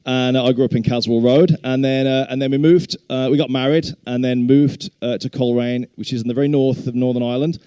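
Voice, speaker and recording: A man's voice: mid-range voice, steady tone, a little fast, few pauses, dark tone, clear, resonant tone, no room sound. A middle-aged man with a Black Country accent gives an informal sermon in a chatty, self-deprecating way. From English Black Country. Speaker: guest preacher and worship leader.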